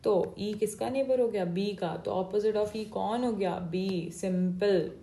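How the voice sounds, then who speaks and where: A woman's voice: mid-range voice, slow pace, dark tone. A woman teaching an exam-prep reasoning class, explaining each step and mixing Hindi and English. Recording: echoey room.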